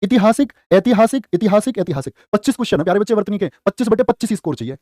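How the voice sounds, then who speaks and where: A man teaching an online exam-prep lesson, energetic and playful, often calling his students "dear children". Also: high-pitched, racing, no room sound, studio quality.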